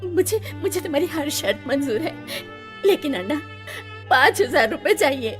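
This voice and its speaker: Poor, devoted working mother, radio drama: high, very expressive, emotional delivery. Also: moderate pace, soft background music. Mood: tearful pleading. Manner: pleading, emotional. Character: poor labourer mother, devoted, anxious wife. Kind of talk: Hindi radio play acting.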